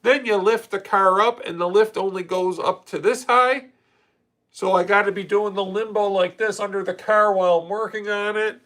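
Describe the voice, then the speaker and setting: A man's voice: high-pitched, fairly even intonation, moderate pace, a bit bright. A man in his late thirties hosting a casual livestream, talking candidly and rambling with frequent restarts as he answers viewer comments. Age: 30s. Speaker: livestream host.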